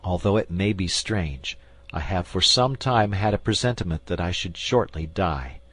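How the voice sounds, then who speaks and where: Brief: male reader as a reckless passionate lord, fervent and expressive, dry close sound. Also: low-pitched, moderate pace, no echo. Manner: fervent, impassioned delivery. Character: ardent lovesick nobleman, passionate and reckless. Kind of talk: audiobook character reading.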